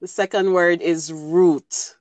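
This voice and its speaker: A woman's voice: fairly low pitch, fairly even intonation, slow pace, a little mellow, no echo. A woman from Jamaica co-hosting a casual talk show, chatty and laughing often as she leads a game. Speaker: podcast co-host. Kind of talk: casual chat.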